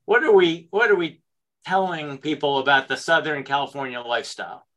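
A male host asks his questions with a wry, teasing edge. His voice sits a little high and sounds bright and forceful. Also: fairly quick. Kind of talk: interview questions.

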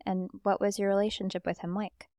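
A woman interviewing a guest, asking gentle, curious questions. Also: medium pitch, little pitch movement, fairly quick, no echo, studio quality.

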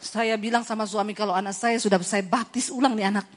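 A woman preacher giving a lively sermon, telling stories and mimicking the voices of the people in them. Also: medium pitch, quick pace, a little hiss or hum. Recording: hall reverb.

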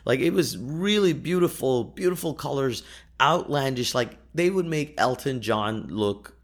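A man's voice: medium pitch, lively intonation, a little slow. A young man, a native Urdu speaker, telling travel stories in a chatty way, full of fillers, restarts and laughs. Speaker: podcast host. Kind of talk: casual travel storytelling.

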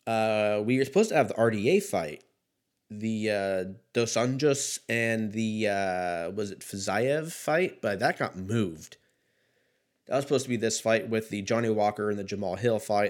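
Male sports talk host, 30s, fairly low pitch, loose and conversational, unpolished solo delivery with salty language. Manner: laid-back, rambling, profane. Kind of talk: casual solo commentary.

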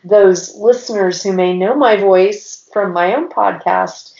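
A woman in her forties with a cold and a slightly raspy voice, telling her story as a podcast guest in long, strung-together sentences. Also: medium pitch, takes it slowly, a little mellow. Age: 40s. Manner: rambling, stacks clauses with "and". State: has a cold. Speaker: podcast guest, business owner. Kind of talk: casual interview storytelling. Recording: roomy, dull lo-fi sound.

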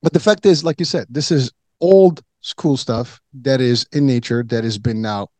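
A man's voice: mid-range voice, moderate pace, warm tone, no room sound. Middle-aged guy from morocco rambling on a podcast, lots of you know and restarts, mid voice, dry sound. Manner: rambling, many fillers and restarts. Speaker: podcast guest. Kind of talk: casual chat.

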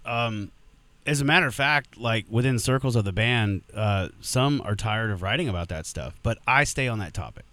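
A man's voice: on the low side, expressive, moderate pace, pushed and bright, no echo. A man, a punk musician guest on a podcast, talking bluntly and casually and swearing freely.

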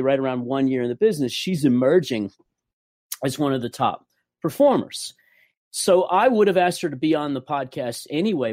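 A man's voice: mid-range voice, a little mellow, no echo. Guy hosting a podcast, mid voice, effusive storytelling intro, really dry close sound. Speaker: podcast host and adult film producer.

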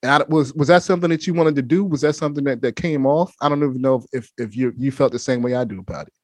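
A man's voice: medium pitch, racing, no room sound. Male podcast host, enthusiastic, repetitive phrasing, home studio, dry close sound. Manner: enthusiastic, repetitive, calls listeners family. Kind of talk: casual podcast interview.

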